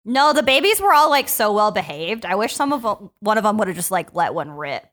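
A woman's voice: mid-range voice, very animated, fairly quick, fairly bright tone. A woman co-hosting a casual podcast, joking and laughing as she reviews a film. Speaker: podcast co-host. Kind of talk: casual chat reviewing a movie.

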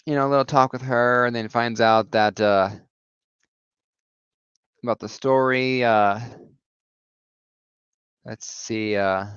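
Male comic reviewer, smooth clear voice, loose rambling delivery full of "uh"s, dry and slightly dull recording. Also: mid-range voice, fairly even intonation, slow pace, pauses often, fairly bright tone, no echo. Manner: rambling, many fillers and restarts. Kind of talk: casual comic recap.

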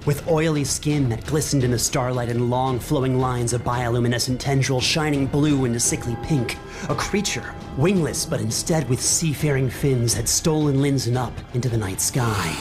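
Male narrator for horror fantasy podcast, theatrical and literary, mid-range voice, clear music bed beneath. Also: medium pitch, normal speed. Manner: ornate, theatrical storytelling. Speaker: game master, narrator. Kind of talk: dramatic scripted horror narration.

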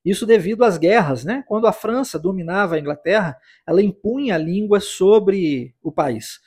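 A man's voice: high voice, expressive, moderate pace, a little mellow, husky. A man raised in the United States who teaches English on a podcast, explaining phrases in Portuguese and repeating them for the listener to practise. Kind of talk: podcast language lesson.

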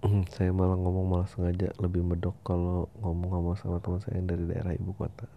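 Reading out listener emails on his podcast, this man speaks quickly in a gravelly, completely flat voice, peppering the reading with informal slang and offhand cursing. Faint rumbling noise sits under the dull, lo-fi audio.

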